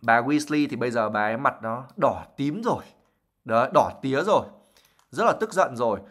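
A man's voice: mid-range voice, lively intonation, normal speed, a bit bright. Brief: male language teacher, patient explainer, lots of fillers, livestream lesson. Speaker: English teacher.

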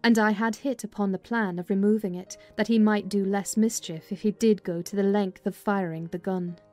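A woman's voice: mid-range voice, fairly even intonation, moderate pace, a little mellow, faint music behind. Woman narrating a classic novel. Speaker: audiobook narrator. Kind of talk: dramatized literary narration.

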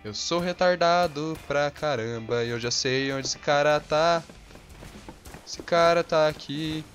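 Young Brazilian gamer host, Brazilian accent, edgy bright tone, quick to explode and curse at his match. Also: a little high, soft background music. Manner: hot-tempered, swearing, sudden yelling bursts. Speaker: gaming channel host. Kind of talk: rage gameplay commentary.

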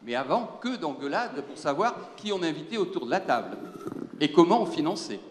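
A man moderating a round table in an animated, joking, teacherly way, on a handheld mic in a large lecture hall. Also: fairly high pitch, a little fast. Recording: echoey hall, long reverb.

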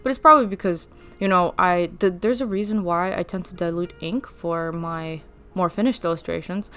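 A woman's voice: on the low side, normal speed, fairly bright tone, clear, resonant tone, faint music behind. Chatty young woman, Russian native speaker. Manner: rambling, chatty, with frequent fillers and laughs. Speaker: art channel host. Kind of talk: casual voice-over while drawing.

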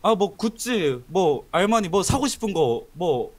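A man's voice: high-pitched, big pitch swings, a little slow. A man as a guest on a voice-chat talk show, joking in a mock-serious way. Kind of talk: casual call-in chat.

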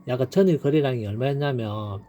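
A man's voice: mid-range voice, a little fast, warm tone. Emphatic man explaining stock charts. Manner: emphatic, repetitive, peppered with sound effects like "빵" and "빡". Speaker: stock trading instructor. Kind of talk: casual screen-share chart lesson.

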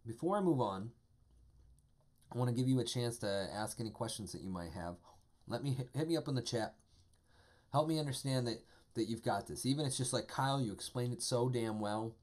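A man's voice: mid-range voice, lively intonation, normal speed, long pauses, darkish tone. A man teaching a live-streamed programming lesson, talking casually and enthusiastically with lots of fillers as he types code. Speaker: programming instructor.

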